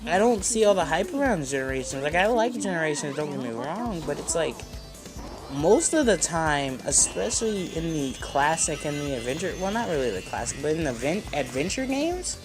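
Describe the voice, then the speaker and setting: A man's voice: on the high side, big pitch swings, normal speed. Guy doing a let's play, rambly and opinionated, game music going behind him. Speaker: gaming video host. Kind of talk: casual let's play commentary.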